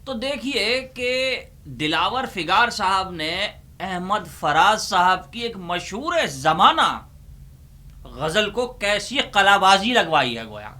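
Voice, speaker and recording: A Pakistani man hosting a humorous poetry reading, delivering verses in a theatrical, drawn-out way with repeated lines and banter. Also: high-pitched, lively intonation, pushed and bright. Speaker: host reciting humorous Urdu poetry. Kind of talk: dramatic comic poetry recitation with banter.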